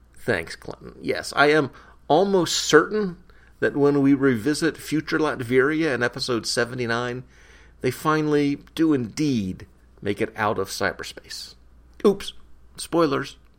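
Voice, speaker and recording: An American-accented man talks at a fairly slow pace in a fairly high pitch with lively intonation, in an unremarkable speaking voice. The recording is very clean, with a silent background. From US, suburban Maryland near Washington DC. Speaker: podcast host, comic book reviewer. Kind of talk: solo podcast review and listener feedback reading.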